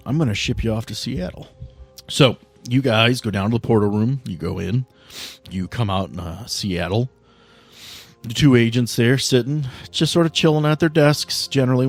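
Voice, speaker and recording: A man's voice: medium pitch, moderate pace, soft background music. A man narrating casually as game master, improvising in an informal, sweary way with hesitant phrasing. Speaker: game master of a tabletop RPG podcast.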